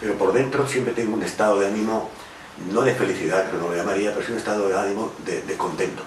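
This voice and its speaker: Over noticeable background noise and audible room echo, a man talks at a very fast pace. His pitch sits in the medium range with fairly even intonation. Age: 70s. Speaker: poet. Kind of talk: interview. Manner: halting.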